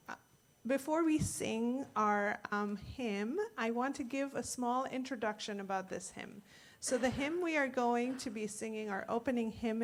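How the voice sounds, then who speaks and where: A woman from India, introducing a hymn at a worship service in a hesitant way, not used to speaking in public. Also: a little high. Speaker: congregation member introducing a hymn. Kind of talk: informal talk at a worship service. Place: church sanctuary.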